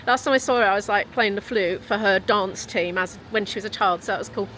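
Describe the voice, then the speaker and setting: A woman's voice: mid-range voice, fairly quick, a bit bright, roomy sound, a little hiss or hum, low-quality recording. A British woman vlogging casually to a handheld camera, chatty and rambling with cheerful asides. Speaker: vlogger and musician. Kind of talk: casual vlog chat. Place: venue cafe, then at home.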